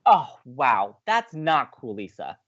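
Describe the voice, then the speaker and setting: Excitable romantic young radio co-host, lo-fi. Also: male voice, mid-range voice, slow, heavily acted. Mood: excited, playful. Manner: earnest, expressive. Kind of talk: naturalistic audio drama acting.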